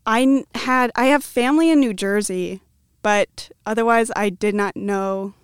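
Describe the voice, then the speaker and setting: A woman's voice: mid-range voice, unhurried, smooth, no echo, studio quality. A woman in her twenties from the American Midwest, chatting casually as a podcast guest in an upbeat, talkative way. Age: 20s. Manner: chatty, upbeat, many likes. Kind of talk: casual chat.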